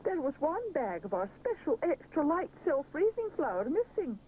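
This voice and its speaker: A woman's voice: sits high, big pitch swings, normal speed, narrow, tinny audio, slight background noise, voice pushed up. Woman doing Mister Sponge, a jolly pompous chef. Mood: delighted. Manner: jolly, formal, delighted. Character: cheery pompous adult male cake chef.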